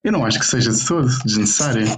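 A man's voice: mid-range voice, lively intonation, rapid-fire, slight background noise. A man with a European Portuguese accent chatting casually, teasing with short interjections and the odd English phrase.

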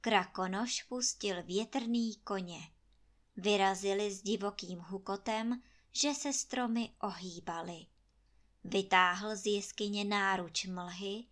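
A woman storyteller reading a fairy tale aloud in a lively, expressive way. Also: mid-range voice.

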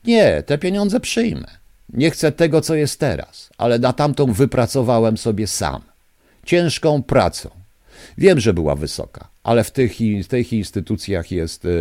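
On live radio, a male host rants at listeners with anger and indignation. His voice is on the low side with a dark tone, recorded on a studio microphone with no room sound.

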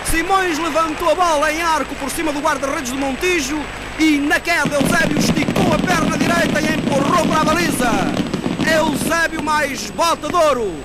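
Male commentator, extremely high strained pitch, fast dramatic football calls, very noisy archive broadcast with loud crowd. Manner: excited, building to shouted goal calls. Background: stadium crowd and loud noise.

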